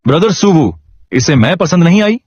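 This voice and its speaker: A man's voice: on the high side, big pitch swings, normal speed, darkish tone, husky, no room sound, lo-fi sound, voice pushed up. A man voicing a shy, eager twelve-year-old girl in a storybook recap, in a raised, pleading voice. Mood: eager, timid.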